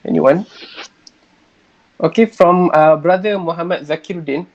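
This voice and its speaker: Polite guy hosting a webinar q&a, bit high voice, dull lo-fi audio. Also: measured pace. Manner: polite, formal, hesitant fillers. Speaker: webinar moderator. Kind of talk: moderating a Q&A, reading viewer questions. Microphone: video call.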